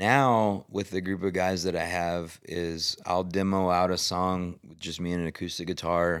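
Speaking with a West Texas accent, a man with a very deep, low pitch talks at a moderate pace with hardly any pauses, monotone, flat intonation and big swings in loudness, in a very clean recording with a silent background. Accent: West Texas, audible in speech. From West Texas (Paducah, near Lubbock). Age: 30s. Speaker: musician, band frontman. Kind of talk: casual chat.

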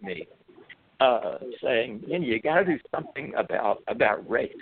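A man with a Southern US accent at a fairly slow pace. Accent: Southern American. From US South. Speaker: documentary maker. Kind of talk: roundtable discussion on radio.

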